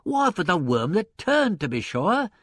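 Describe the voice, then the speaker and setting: A man voicing a hectoring, stout theatrical agent in an audiobook, bellowing in an excitable, brusque way. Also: on the high side, a little slow, dry recording, clean studio sound, pitched above the performer's own voice, exaggerated voice. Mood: excited, triumphant.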